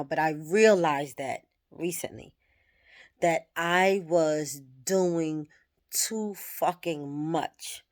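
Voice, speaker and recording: A woman in her thirties talking candidly and reflectively to the camera, swearing freely as she thinks aloud. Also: sits low. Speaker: vlogger. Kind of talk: personal reflective monologue.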